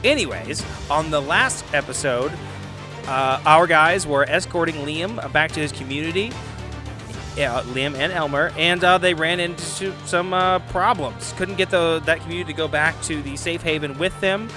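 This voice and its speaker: A man's voice: on the high side, normal speed, music in the background. A man who hosts and plays on a podcast, talking in a chummy, jokey, casual way. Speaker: podcast host and player.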